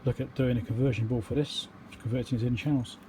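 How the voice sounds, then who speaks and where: Hosting a repair video, a man explains technical matters casually, thinking aloud in a rambling, matter-of-fact way. He talks quickly in a mid-range, darkish voice with fairly even intonation, over slight background noise.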